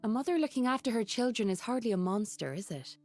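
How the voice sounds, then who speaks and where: An actress playing a gentle, thoughtful female mage in a fantasy game, speaking in a reflective way. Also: on the high side, animated, quick pace, soft background music, close to an everyday voice. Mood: pensive, doubtful.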